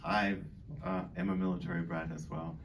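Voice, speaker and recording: A man's voice: deep voice, level tone, normal speed. A middle-aged man, a dining director born in Boston and raised in Germany, talking loosely to residents with many fillers. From born in Boston, grew up in Germany. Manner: rambling and chatty, many fillers. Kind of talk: informal speech to an audience. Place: community hall. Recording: far from the mic, faint background noise.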